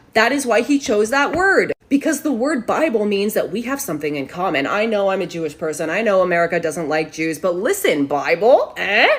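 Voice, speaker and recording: Over noticeable background noise, a woman talks in an animated tone with hardly any pauses. Her pitch swings very widely. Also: medium pitch for a woman, fairly quick pace. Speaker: social media commentator. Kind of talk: casual rant to camera. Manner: fast.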